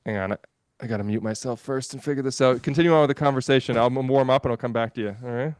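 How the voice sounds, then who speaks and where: Smooth-voiced man rambling on a video call. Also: medium pitch, very fast, darkish tone, no echo, clean studio sound. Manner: rambling, restarts and self-corrections. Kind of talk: casual chat on a live stream.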